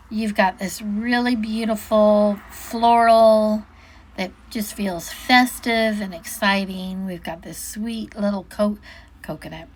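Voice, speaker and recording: A woman's voice: medium pitch, low-quality recording. A woman giving a casual, unscripted product walk-through, chatting and musing aloud as she goes, often interrupting herself.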